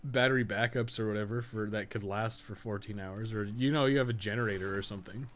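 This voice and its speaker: A man's voice: lowish voice, fairly even intonation, fast talker, slight background noise. A young man chatting casually as he streams a game, rambling and swearing, with an easy laugh. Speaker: game streamer, podcast co-host. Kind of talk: casual chat while gaming live.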